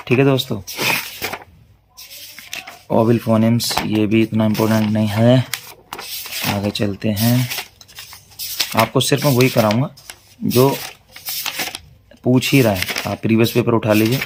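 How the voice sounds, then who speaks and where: A man's voice: fairly low pitch, background noise. A man giving a casual exam-tips lesson as a tutor, chatty and reassuring, often repeating "okay" as he moves on. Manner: chatty, reassuring, repeats "theek hai" while flipping pages.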